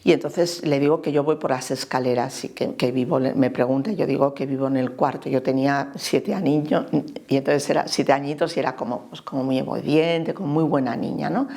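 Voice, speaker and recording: A woman's voice: extremely low pitch, steady tone. A woman in her fifties from Spain with a Spain Spanish accent, giving a hesitant, reflective personal testimony. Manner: hesitant, many pauses and soft fillers. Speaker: interviewee giving faith testimony.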